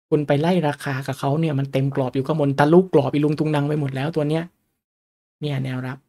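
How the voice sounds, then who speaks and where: A man's voice: fairly high pitch, darkish tone. A man giving a chatty lesson on reading stock charts, often throwing questions at his listeners. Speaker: stock market teacher. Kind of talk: casual lecture on stock charts.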